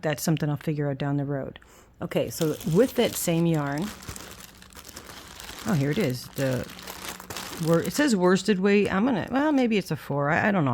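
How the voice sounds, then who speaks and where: Low-voiced woman with a whistling s. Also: darkish tone. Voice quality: whistling s through the teeth. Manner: candid, self-deprecating. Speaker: craft vlogger. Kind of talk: casual rambling show-and-tell.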